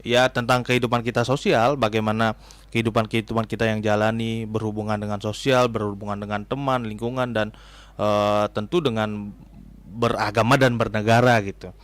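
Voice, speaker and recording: A man's voice: lowish voice, level tone, brisk, smooth. A man in his twenties, a Hindu religious counselor, explaining things as a radio guest with frequent fillers. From Bali, Indonesia. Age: 20s. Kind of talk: casual radio interview.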